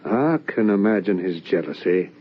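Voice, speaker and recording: An actor playing an anguished, probing young son in an old-time radio drama, with earnest, theatrical, questioning delivery. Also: male voice, low voice, lively intonation, normal speed. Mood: anguished, accusing. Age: young adult. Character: anguished, probing young adult son narrating a ghost tale. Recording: dull, lo-fi old radio recording.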